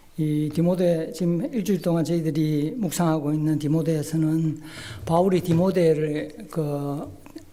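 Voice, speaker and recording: A man talks at a fairly slow pace in a fairly high pitch, his loudness very even and his intonation fairly even. Audible room echo and noticeable background noise surround him. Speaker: church elder giving a devotional. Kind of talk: sermon; reading aloud. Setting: church. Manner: halting.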